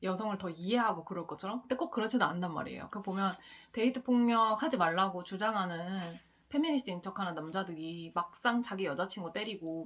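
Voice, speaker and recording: A young woman giving a casual book review, blunt and quick to laugh, now and then swearing. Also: on the low side, husky.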